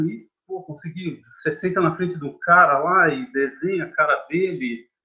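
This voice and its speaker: The man's voice is high. Its pitch moves up and down in an ordinary way. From Brazil, São Paulo. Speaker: illustrator and art teacher. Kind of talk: casual interview.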